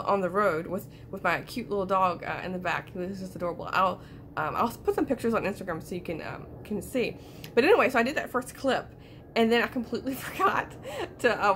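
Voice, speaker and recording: A young woman with a slightly croaky voice chatting casually to camera from her living room about her weekend reading, rambling with many fillers and restarts. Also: medium pitch, fairly bright tone, a little hiss or hum. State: croaky from sinus trouble. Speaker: book vlogger. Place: living room, seated in armchair.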